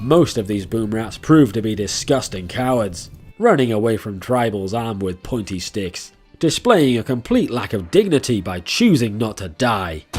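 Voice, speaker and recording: Music plays in the background as a man speaks at medium pitch. His pace is moderate and his pitch variation ordinary. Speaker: gaming video narrator. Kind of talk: scripted gameplay narration.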